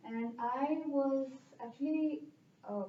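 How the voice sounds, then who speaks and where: A woman in her thirties from India with an Indian accent, earnestly answering interview questions at a careful, steady pace. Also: high voice, slow, a little hiss or hum. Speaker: club member interviewee. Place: club meeting room. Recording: roomy, distant, dull sound.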